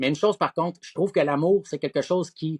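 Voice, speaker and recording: A loud man speaks with a dry, close sound and no echo. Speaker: singer-songwriter and former hockey player. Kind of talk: podcast interview. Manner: hesitant, many fillers and repetitions.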